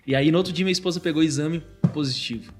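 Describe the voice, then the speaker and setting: Guy in his 30s rattling off a story super quick, keeps saying "cara", faint music under it. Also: a little high. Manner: animated storytelling, constantly says "cara". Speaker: podcast guest. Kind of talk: casual testimony chat.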